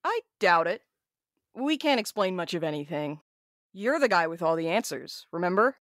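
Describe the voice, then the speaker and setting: A woman's voice: on the low side, sing-song, moderate pace, a bit bright, no room sound, studio quality. An actress playing a blunt, sardonic, jaded woman courier in a naturalistic audio drama. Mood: flippant. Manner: sardonic, hard-edged and blunt.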